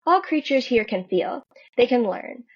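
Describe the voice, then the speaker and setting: A woman voicing a gentle, curious and earnest otherworldly being in a story reading. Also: fairly high pitch, expressive, measured pace, slightly rough, dull audio. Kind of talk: author reading own story aloud.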